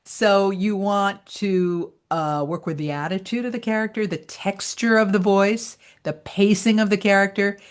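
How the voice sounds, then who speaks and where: A woman voice-over coach leads an online training in a chatty, explanatory manner. Her voice sits at a middle pitch. She laughs easily between her points. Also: steady tone, a little slow, few pauses, clean tone.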